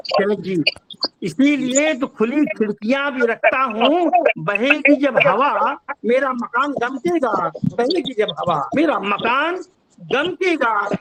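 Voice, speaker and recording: High-voiced man slowly reciting ghazals. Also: noisy background. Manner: recites each couplet twice, lingering on lines. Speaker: poet. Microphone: video call.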